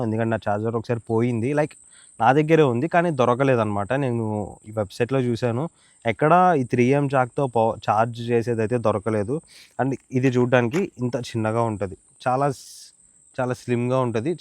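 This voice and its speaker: Telugu indian guy doing a casual gear how-to, talks fast, dry sound, drops english words in. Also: mid-range voice, darkish tone, no room sound. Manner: informal, explanatory, mixing English words into speech. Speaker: motovlogger reviewing and demonstrating gear. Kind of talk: casual product tutorial to camera.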